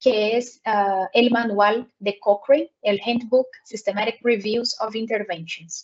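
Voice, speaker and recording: Here a woman talks with a Brazilian accent at a fairly slow pace. Her pitch is fairly high. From Brazil, São Paulo. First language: Portuguese (speaking Spanish). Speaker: nurse and researcher, webinar presenter. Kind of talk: webinar presentation. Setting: online webinar. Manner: halting, with filler sounds.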